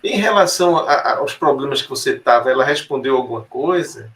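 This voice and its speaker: A man with a mid-pitched voice conducts an interview. He speaks briefly, with short prompts and questions that keep his guest talking. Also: lively intonation, brisk, fairly bright tone. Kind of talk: casual interview.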